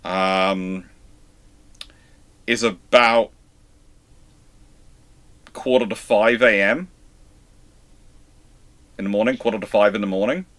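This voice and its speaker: A British man hosting a live question-and-answer stream on naval history, chatting casually and teasing a co-host, with loud animated bursts of emphasis. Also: on the low side, slow pace, pauses often. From Britain. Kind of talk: live Q&A chat.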